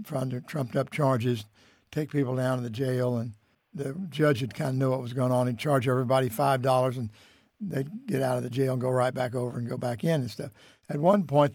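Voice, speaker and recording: An American man recounts history for an interviewer. He is measured and deliberate, pausing mid-sentence. His voice is of average pitch, in a dry recording. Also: a little mellow, no echo. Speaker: interviewee, musician and radio figure.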